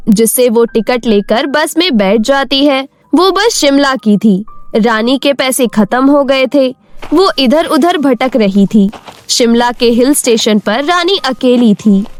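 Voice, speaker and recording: High-pitched woman storyteller. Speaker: story narrator. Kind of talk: scripted storybook narration.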